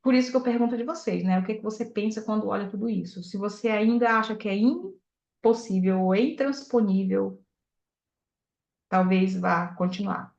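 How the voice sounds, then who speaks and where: Animated woman, echoey talk. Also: medium pitch, moderate pace, gravelly. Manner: animated, personal storytelling, direct questions to the audience. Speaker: sales director giving a motivational talk. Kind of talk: motivational talk. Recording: echoey, dull lo-fi sound.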